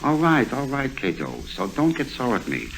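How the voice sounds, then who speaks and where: A man's voice: mid-range voice, huge pitch swings, moderate pace, creaky, fairly bright tone, full character voice, poor audio. An actor playing an evasive gangster henchman in an old radio drama, answering questions with questions. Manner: answers questions with questions, odd grammar. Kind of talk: 1950s radio drama acting. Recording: old vintage radio broadcast.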